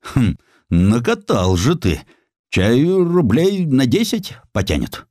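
A man's voice: medium pitch, very animated, slow, darkish tone, dry recording, studio quality, pitched above the performer's own voice. A man voicing a wily, plain-spoken old-time Russian tabloid publisher with a drawling, colloquial merchant's way of talking, in an audiobook. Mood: sly, appraising.

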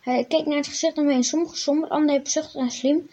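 A woman with a high, steady, slightly mellow voice reads a children's Bible story aloud quickly in plain narration, then turns to address the children directly. The recording is dull and lo-fi.

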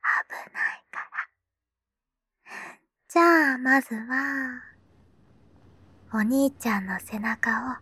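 A woman's voice: sits high, slow pace, pauses often, pushed and bright, breathy edge, dry recording, heavily acted. A woman voicing a playful, doting schoolgirl little sister who teases her older brother in close, whispered ASMR roleplay. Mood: teasing. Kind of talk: ASMR roleplay with ear cleaning.

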